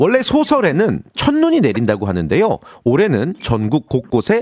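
The man speaks at a moderate pace. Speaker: radio quiz segment presenter. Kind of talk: radio quiz show banter. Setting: radio studio. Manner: animated.

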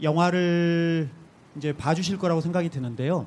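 This man has a high-pitched voice with a dark, mellow tone. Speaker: film director. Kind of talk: talk show interview. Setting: outdoor open studio with live audience.

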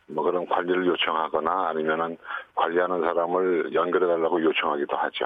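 A man's very deep, low voice at a fairly quick pace, monotone and flat in intonation, very even in loudness, over noticeable background noise. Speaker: education consultant. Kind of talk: radio expert interview.

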